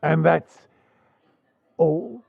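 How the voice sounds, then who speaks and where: A man playing a shrewd, genial pirate overlord in an audio drama, with a gravelly, husky voice and a deliberate, insinuating, theatrical delivery. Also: on the high side, dry recording, phone-quality sound, exaggerated voice. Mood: amused, sly. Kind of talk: swashbuckling audio roleplay acting.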